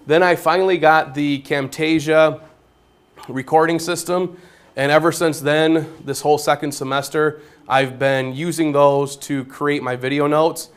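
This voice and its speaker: A man who teaches geometry speaks in a loud, smooth, resonant voice. He explains his classroom setup plainly, one step at a time, like a demonstration for colleagues. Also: a little high, fairly even intonation, unhurried. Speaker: high school geometry teacher.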